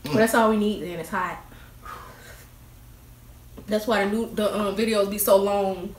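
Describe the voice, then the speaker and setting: A woman's voice: medium pitch, fairly even intonation, measured pace. Young woman chatting in an echoey room. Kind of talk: casual chat. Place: home dining room. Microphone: camera across the table. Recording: echoey, distant camera mic, background noise.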